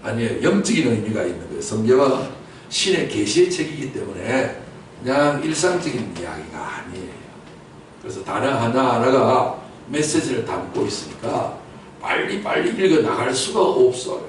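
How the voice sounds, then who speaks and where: A man's voice: medium pitch, big pitch swings, normal speed. A man preaching a Sunday sermon as pastor, questioning his congregation and repeating key words for emphasis. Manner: rhetorical repetition and sudden loud outbursts. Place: church sanctuary. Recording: echoey church from a distance, faint noise.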